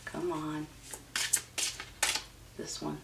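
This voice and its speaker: A woman's voice: deep voice, flat delivery, very slow, gravelly, noisy background. A woman giving a casual, conversational tarot reading, speaking informally and directly to her viewers. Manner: informal, addresses viewers as "you guys", seeks agreement. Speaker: tarot reader and host. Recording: roomy echo, distant from the mic.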